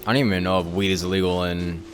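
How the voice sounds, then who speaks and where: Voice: low voice, little pitch movement, rapid-fire. A game streamer giving informal, jokey live reaction commentary. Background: game music.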